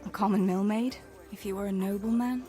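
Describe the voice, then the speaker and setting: A woman playing a young common millmaid in a video game, speaking softly and earnestly. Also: medium pitch, fairly even intonation, fairly quick, lightly acted. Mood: wistful.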